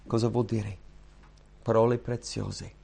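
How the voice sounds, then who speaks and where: A man preaching a sermon with impassioned, repeated rhetorical questions that swing from loud high outbursts to hushed low tones. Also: level tone, slow pace, creaky, husky. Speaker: pastor.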